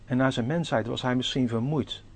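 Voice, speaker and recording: A man's voice: medium pitch, a little fast. A man preaching a sermon, earnestly putting questions to the congregation and reading scripture aloud. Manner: reads scripture in old-fashioned formal Dutch.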